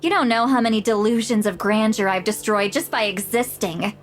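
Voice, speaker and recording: A woman's voice: mid-range voice, fairly quick, lightly acted. A woman voicing an ancient, proud but easily embarrassed tribal granny in a video game, talking in a flustered, self-deprecating way. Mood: candid. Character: centuries-old tribal granny, sheepish and proud.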